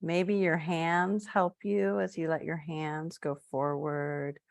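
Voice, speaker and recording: A woman with a lowish voice leads a guided meditation at an unhurried, very slow pace. Her tone is soft and gentle, with long drawn-out phrases. The sound is dry and close, with no room echo. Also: little pitch movement, creaky. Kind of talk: live-streamed guided meditation.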